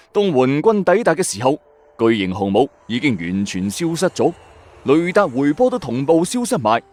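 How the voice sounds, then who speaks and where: A man's voice: medium pitch, darkish tone. A man with a Hong Kong Cantonese accent hosting a mystery show with dramatic scripted narration. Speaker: storyteller host of a mystery radio channel.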